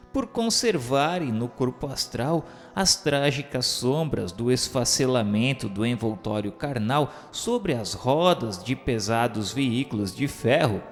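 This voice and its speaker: A Brazilian man giving solemn, declamatory narration of a religious radio novel in literary language. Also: medium pitch. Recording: long reverberant hall sound, music behind. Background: soft instrumental music.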